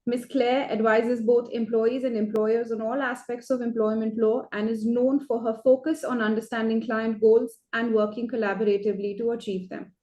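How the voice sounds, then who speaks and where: A woman's voice: a little high, little pitch movement, warm tone. A woman hosting an awards ceremony, reading formal introductions of honorees. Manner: formal, measured. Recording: echoey room.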